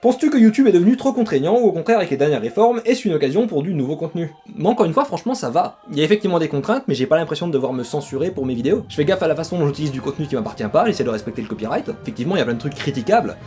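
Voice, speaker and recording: Young male vlogger, high and bouncy, rapid deadpan delivery, faint music. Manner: deadpan, jokey, quick asides. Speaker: YouTuber answering viewer questions. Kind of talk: comic FAQ monologue. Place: his bedroom. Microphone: camera far from him.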